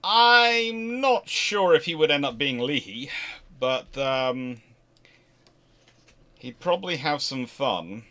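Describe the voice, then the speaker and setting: A man's voice: a little high, slow, long pauses. A man hosting a casual question-and-answer stream, talking in a rambling way, often restarting his sentences. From Scotland. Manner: rambling, self-correcting, animated asides. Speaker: host answering viewer questions. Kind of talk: casual livestream Q&A.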